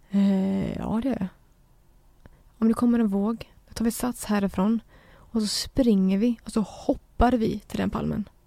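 Her voice is fairly high-pitched, somewhat breathy and dark and mellow in tone, as the woman speaks fairly slowly with monotone, flat intonation. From Sweden, Falkenberg (Halland). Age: 20s. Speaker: tsunami survivor. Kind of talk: testimony. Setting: studio.

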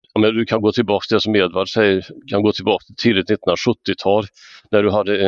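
A man's normal speaking voice at a fairly low pitch, dry and close with no echo, against a quiet background. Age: 60s. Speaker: economic historian and author. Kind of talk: panel discussion.

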